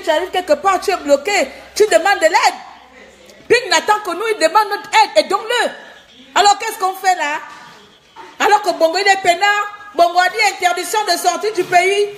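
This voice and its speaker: A woman from Gabon delivering a fiery political monologue, scolding and repeating herself, laughing at times and dropping to a low confiding tone. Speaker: political activist vlogger.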